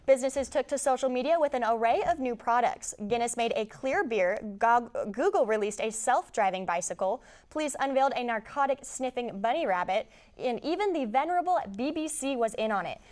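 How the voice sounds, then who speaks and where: A woman's voice: a little high, animated, a little fast, hardly any pauses, darkish tone. A young woman anchoring a student newscast, reading lighthearted stories in an amused manner. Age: young adult. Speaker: news anchor.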